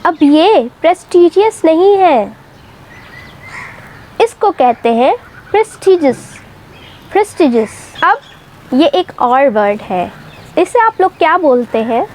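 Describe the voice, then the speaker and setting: A young woman from Pakistan with a bright, high voice teaches English pronunciation. She talks to her students with patience, going back over each word slowly to demonstrate it. A faint hum of room noise sits under her voice. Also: big pitch swings. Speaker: English teacher and channel host. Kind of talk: explanatory lesson to students.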